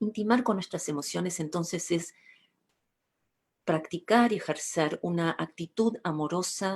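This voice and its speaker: With long, frequent pauses, a woman of fairly low pitch speaks at a fairly slow pace on a very clean recording with a silent background. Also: ordinary pitch variation. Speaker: speaker on emotions. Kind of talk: talk to a live audience.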